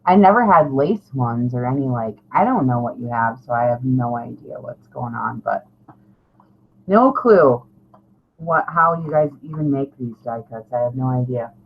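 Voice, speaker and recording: A woman's voice: extremely low pitch, animated, moderate pace. A middle-aged woman chatting casually and ramblingly to viewers as a craft vlogger, informal, self-deprecating and a little salty. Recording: dull lo-fi sound, clear background noise.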